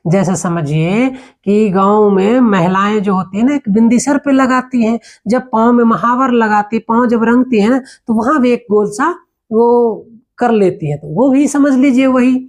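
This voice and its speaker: A patient teacher, a man, explains grammar in a classroom manner. He says each example word slowly and repeats it, and he keeps checking that his listeners are with him. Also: very high voice. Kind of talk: classroom lesson.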